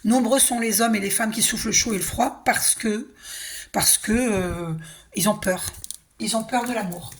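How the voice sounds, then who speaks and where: A hoarse woman giving a casual, reassuring spiritual card reading, often clearing her throat and asking "d'accord?". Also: mid-range voice, normal speed. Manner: chatty, reassuring, tag questions like hein and d'accord. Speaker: tarot and oracle card reader.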